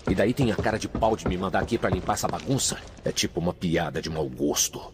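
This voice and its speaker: A man with a Brazilian accent playing a gruff, bitter detective father in a dramatic video game. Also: deep voice, expressive, fast, noisy background. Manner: gruff, cynical, sarcastic. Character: weary, bitter detective father hunting for his kidnapped daughter.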